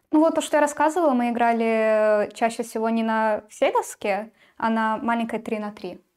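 A woman with a normal speaking voice and fairly high pitch talks at a moderate pace with ordinary pitch variation, in a very clean recording with a silent background. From Belarus. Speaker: shogi student, tournament winner. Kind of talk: casual live stream chat.

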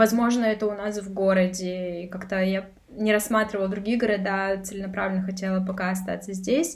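Somewhat breathy and fairly even in intonation, a woman talks at a fairly quick pace in a medium pitch. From Russia, Novosibirsk. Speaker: purchasing specialist for goods from China. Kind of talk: casual interview.

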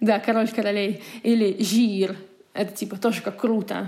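Fairly slow speech from a woman over noticeable background noise. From Komi Republic, Russia. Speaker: interpreter. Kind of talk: casual chat.

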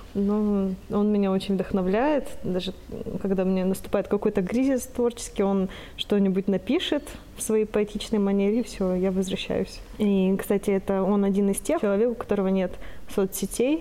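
Using an unremarkable speaking voice, a woman talks at a moderate pace with medium pitch, ordinary pitch variation and very even loudness. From Kazakhstan, Astana. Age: 20s. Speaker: underwater photographer and whale guide. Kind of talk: casual interview.

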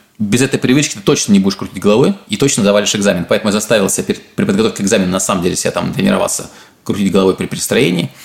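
Over noticeable background noise, a man talks very fast at a fairly low pitch with ordinary pitch variation. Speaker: startup founder. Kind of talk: interview. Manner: halting, with fillers and repetitions.

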